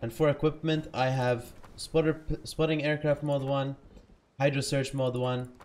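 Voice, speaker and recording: A man's voice: medium pitch, level tone, unhurried, a little mellow. A man giving casual live commentary over his own gameplay, chatty and self-correcting, having just woken up. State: just woke up.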